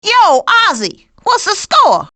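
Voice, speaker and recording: A woman with an American accent voicing a cranky, dry-witted female skunk in an animated video game, with a sassy, sardonic and folksy manner. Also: very high voice, slow pace, heavily acted. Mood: excited, urgent.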